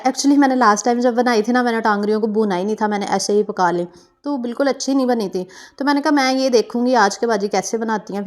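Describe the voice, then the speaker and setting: A young woman from Pakistan, narrating her cooking vlog in a chatty, meandering way full of fillers and self-corrections. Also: on the high side. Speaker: cooking vlogger.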